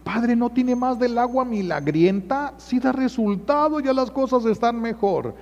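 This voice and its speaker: Guy doing a worn-out wife begging the padre for help, voice goes up high, echoey and muffled. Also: lively intonation, unhurried, darkish tone, full character voice. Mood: relieved. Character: weary woman pleading with a priest. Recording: echoey muffled church sound.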